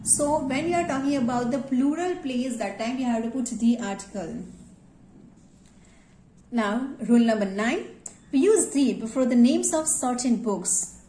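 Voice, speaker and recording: Lady teacher, high but mellow voice, keeps saying yes students, echoey room. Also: a little slow. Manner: addresses students directly, repeats "yes" as a check. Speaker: English grammar teacher. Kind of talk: classroom grammar lesson.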